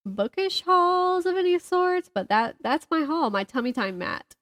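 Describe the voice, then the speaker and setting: A woman's voice: extremely high pitch, big pitch swings, a little slow, fairly bright tone, dry recording. A young woman chatting casually as a podcast co-host. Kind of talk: casual chat.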